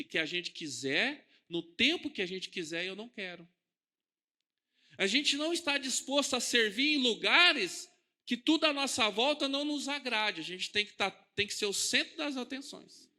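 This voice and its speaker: A man with a Brazilian Portuguese accent preaching a sermon in a church. He talks in a conversational way, asks the congregation questions and swings between soft and loud. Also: sits high. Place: church hall.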